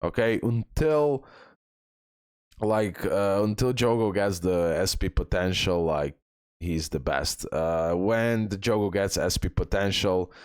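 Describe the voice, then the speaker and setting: Low-voiced man hosting a gaming guide. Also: slow pace, smooth, dry recording, clean studio sound. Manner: informal, enthusiastic bro slang, emphatic repetition. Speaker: video game guide host. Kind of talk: casual gaming commentary, reading out skill descriptions.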